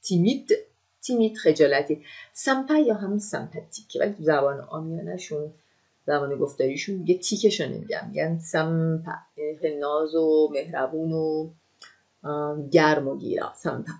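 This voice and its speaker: Low-voiced young woman teaching french, drags out the words then rattles off the explanations. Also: darkish tone. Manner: stretches French words slowly, explains quickly. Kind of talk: language lesson.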